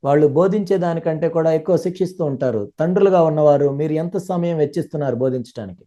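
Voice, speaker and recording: A man interpreting a sermon live, speaking fluently and running his sentences together quickly. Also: on the high side, dark tone.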